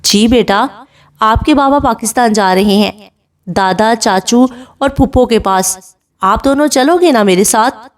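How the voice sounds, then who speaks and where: A woman reading as a gentle young father. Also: fairly high pitch, close to an everyday voice. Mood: tender. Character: young father leaving his children, gentle man.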